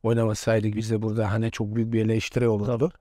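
A man's voice: lowish voice, completely flat delivery, racing, warm tone, no room sound, studio quality. A former footballer in his forties, a man, telling stories in a casual interview and laughing often. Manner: chatty anecdotes with frequent laughs.

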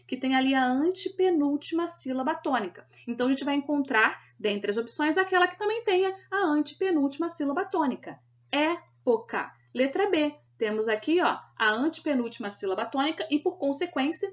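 A woman's voice: sits high, lo-fi sound. A Brazilian Portuguese-speaking woman teaching an exam-prep grammar lesson, explaining step by step and checking in with her students. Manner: didactic, checks in with "né?" and "beleza?". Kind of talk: recorded video lesson.

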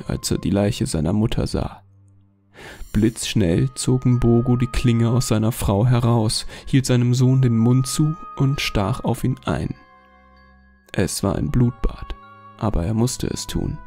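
A man narrating a scripted horror story in a calm, measured way. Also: mid-range voice, gravelly. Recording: voice over faint music.

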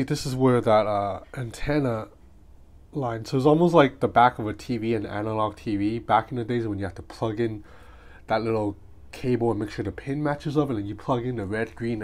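In a casual unboxing vlog, a gadget reviewer speaks in a fairly low, darkish voice, giving informal hands-on commentary as ideas come to him. The small room at home is clearly noisy, with ambient street sound coming in from outside.

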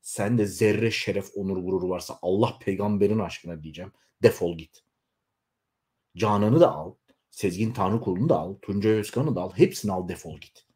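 A man in his forties delivering a heated political rant straight to his viewers, scolding and shaking with anger, his voice swinging up into shouts. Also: sits low, moderate pace. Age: 40s. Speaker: YouTuber. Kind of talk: angry political rant to camera.

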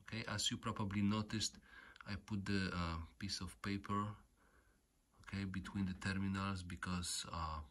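A man who is not a native English speaker, giving an unscripted hands-on repair explanation in a halting, repetitive way, often saying okay. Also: deep voice, flat delivery, a bit bright. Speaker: repair tutorial host. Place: indoors at home.

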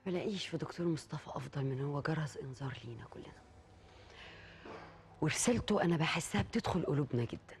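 A woman's voice: low voice, fast, darkish tone, slight background noise. A woman with an Egyptian Arabic accent hosting a TV talk show, eagerly chiming in with short remarks and questions. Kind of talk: casual talk-show interviewing.

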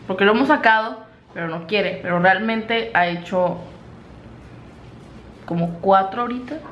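A woman's voice: medium pitch, a little hiss or hum. A young woman chatting casually to a handheld camera at home, sleepy and rambling. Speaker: beauty vlogger. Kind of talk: casual vlog chat to camera. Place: home, indoors and out in the yard.

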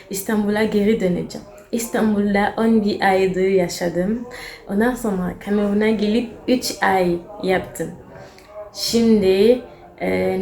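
Young female vlogger, Cameroonian accent, halting broken Turkish of a foreign learner, roomy echo. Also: medium pitch, creaky, a little mellow. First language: not Turkish, a foreign learner. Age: young adult. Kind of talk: casual storytelling to camera. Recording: roomy echo, faint music.

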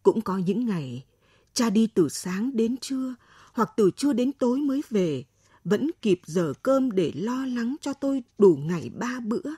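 A woman reading a short story aloud in a soft, measured way. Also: medium pitch, slightly rough, no room sound, studio quality. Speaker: story narrator. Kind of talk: scripted narration of an emotional short story.

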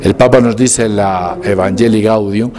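A priest from Bolivia, in his fifties, speaks into a close-held recorder before an indoor painted mural. At a normal pace and in a steady, lowish voice, he earnestly and emphatically summarizes a talk, now and then restarting a phrase.

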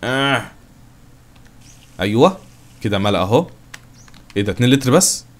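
A man with an Egyptian accent giving let's-play commentary, joking and excitable, talking to his viewers and to the game's characters. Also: medium pitch, moderate pace. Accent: Egyptian Arabic. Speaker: gaming channel host.

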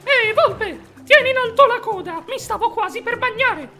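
A woman voicing a cheeky, boastful little gingerbread man in a children's cartoon, with a childlike squeaky voice. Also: lively intonation, moderate pace, pushed and bright, exaggerated voice. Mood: bossy, alarmed.

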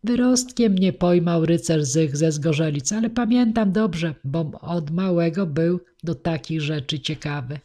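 A woman's voice: low voice, unhurried, hardly any pauses, dark tone. A cocky young soldier brags about his own troops, as a woman reads him aloud. He is folksy and sure of himself, a figure from a storybook. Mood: boastful. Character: Czech squire Chlawa, young man, lively soldier.

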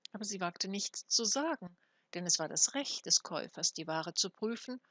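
A woman reading an old fairy tale aloud for an audiobook, with expressive storytelling. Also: medium pitch, no room sound. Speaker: audiobook reader.

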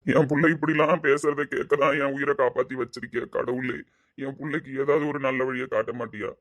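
A man's voice: medium pitch, fairly even intonation, brisk, fairly bright tone, dry recording, lightly acted. A man playing an older father weighed down by guilt over his daughter, talking in an earnest, heavy-hearted way. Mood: consoling. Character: grieving aging father, guilt-ridden and tender. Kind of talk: amateur family drama acting. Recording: dull lo-fi sound.

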